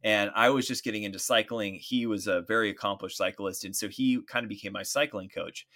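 A man in his forties co-hosting a podcast, chatting in a relaxed, easygoing way with many fillers. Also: lowish voice, fairly quick. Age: 40s. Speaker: podcast co-host. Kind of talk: casual podcast chat.

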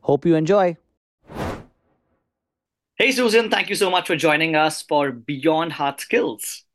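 A man's voice: fairly high pitch, lively intonation, unhurried, a bit bright. A man hosting a podcast interview, speaking in an articulate, polite way. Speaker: podcast host. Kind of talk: podcast interview, scripted introduction.

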